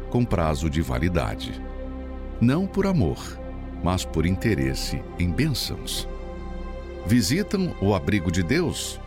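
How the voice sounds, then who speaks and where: A man giving a scripted sermon narration in a solemn, admonishing way with dramatic pauses. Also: deep voice. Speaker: preacher narrator. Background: music.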